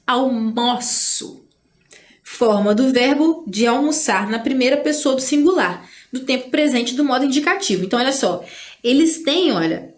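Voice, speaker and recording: A woman's voice: sits high, animated. Chatty woman teaching grammar. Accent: Brazilian Portuguese. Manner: chatty, tags phrases with "né?"; drawls out example words slowly. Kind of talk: online grammar lesson.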